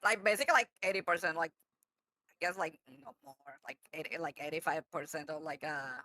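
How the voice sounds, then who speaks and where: A woman's voice: deep voice, brisk, sharp tone, dry recording. A woman streamer chatting casually, giggly and full of fillers, into a close mic. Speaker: streamer guest. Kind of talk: casual chat.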